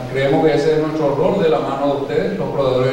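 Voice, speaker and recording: Strong room echo and light background noise accompany a man talking at a fairly quick pace. His intonation stays fairly even. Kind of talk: formal speech. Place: meeting room.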